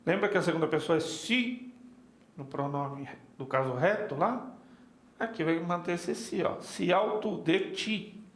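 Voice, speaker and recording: A man teaching Biblical Greek in a seminary class, slowly spelling out word forms and checking in with his students. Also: fairly high pitch, fairly bright tone, reverberant. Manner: slow, spells out forms, frequent "tá?" and "ó". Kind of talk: classroom lecture. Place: church classroom.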